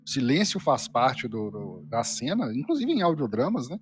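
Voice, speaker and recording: A man's voice: mid-range voice, big pitch swings, moderate pace. A Brazilian man speaking as a guest reviewer, explaining a casual critique somewhat hesitantly. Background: faint background music.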